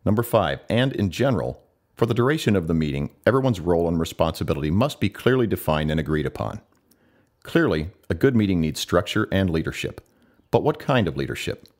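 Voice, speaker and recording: Middle-aged male voice-over artist, deep register, polished scripted read. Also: big pitch swings, a little fast.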